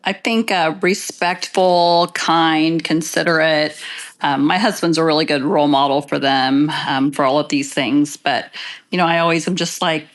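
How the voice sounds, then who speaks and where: A woman's voice: low-pitched, fairly even intonation, normal speed. A middle-aged woman talking conversationally as a guest on a podcast panel. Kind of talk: casual conversational reflection.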